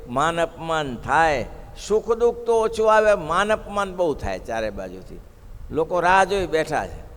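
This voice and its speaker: Casting note: gravelly, fairly high Gujarati male preacher, animated storyteller, echoing hall. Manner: animated storyteller, acts out the people in his tales. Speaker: religious speaker at a gurukul. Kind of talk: sermon storytelling. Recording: long reverb of a hall.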